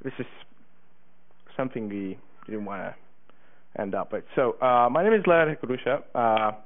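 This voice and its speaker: A teenage man from Hungary speaks to a conference room in an eager, stop-start way, full of fillers and self-corrections. The sound is thin and tinny, like it came down a phone line. His pitch sits in an ordinary middle range for a man. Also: animated, moderate pace. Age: teens. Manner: eager, many uh fillers and restarts. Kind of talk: conference talk.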